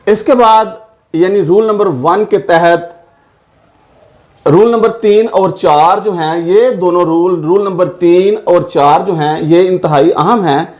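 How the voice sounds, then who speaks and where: A fairly high-voiced man teaches a grammar lesson at an unhurried pace. He spells words out letter by letter and repeats each example in a patient, measured way. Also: darkish tone.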